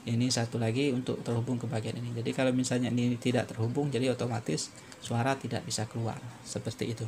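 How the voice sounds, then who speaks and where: A man presenting an unscripted step-by-step repair tutorial, halting and repetitive as he explains. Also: mid-range voice, flat delivery, darkish tone, a little hiss or hum.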